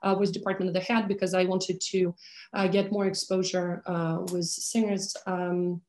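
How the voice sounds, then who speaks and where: A woman's voice: on the low side, little pitch movement, normal speed, a little mellow. Chatty woman with roomy echo. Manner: hesitant, many fillers, laughs easily. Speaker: opera conductor and pianist, interview guest. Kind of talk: casual conversational interview.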